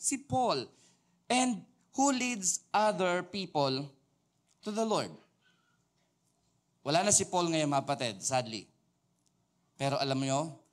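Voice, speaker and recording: A man preaching a sermon as a pastor, playful and joking as he quizzes his congregation. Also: on the high side. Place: church service.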